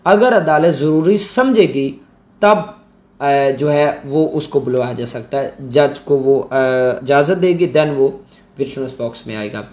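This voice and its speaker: A man with a Pakistani accent, lecturing on law slowly and deliberately, reading English legal text aloud and then explaining each point in his own words. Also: a little high, lively intonation, darkish tone, roomy sound.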